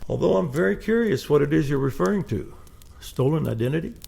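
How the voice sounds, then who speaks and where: A man playing a folksy, easygoing police captain and caretaker in an audio drama, with a gravelly voice. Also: fairly high pitch, animated, a little fast, darkish tone, heavily acted. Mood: reassuring, friendly. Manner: folksy, drawling exclamations.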